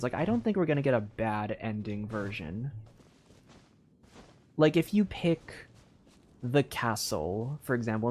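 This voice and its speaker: A man's voice: medium pitch, a little mellow, slight background noise. Rambling young man streaming a game. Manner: rambling, thinks aloud with many "like" fillers and restarts. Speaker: streamer playing a story game. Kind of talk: casual live-stream commentary.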